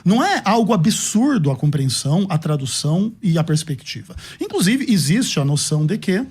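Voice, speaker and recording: A man giving a measured, formal rebuttal in a theological debate. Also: high voice, big pitch swings, a little mellow, breathy edge.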